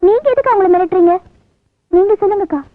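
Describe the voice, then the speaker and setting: An actress playing a caring young wife who speaks softly and earnestly. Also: female voice, very high voice, fast talker, no room sound, narrow, tinny audio. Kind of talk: 1990s Tamil film acting.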